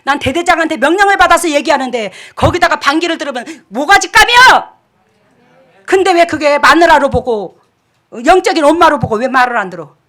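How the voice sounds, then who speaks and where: A woman pastor preaching a sermon, scolding and emphatic, jumping between loud outbursts and quiet asides. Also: high-pitched, expressive, brisk.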